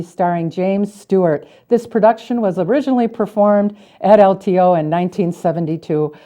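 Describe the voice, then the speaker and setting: A woman's voice: medium pitch, dark tone, dull audio. An American woman hosting a local television show, doing interviews and reading community announcements.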